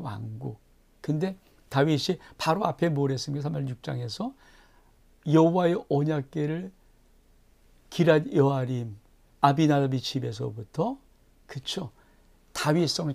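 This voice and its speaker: A male pastor preaching through a Bible chapter with a gravelly, husky voice set a little high. He keeps turning to the congregation with questions. His volume swings from sudden loud bursts to soft, breathy near-whispers. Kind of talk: Bible-reading sermon.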